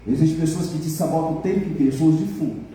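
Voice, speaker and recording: A man's voice: on the high side, rapid-fire, dark tone, a little hiss or hum. A middle-aged man, preaching a humorous sermon and teasing his congregation. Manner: joking, teasing the congregation, mimicking people. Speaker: pastor. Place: church hall. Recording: echoey hall from a distant mic.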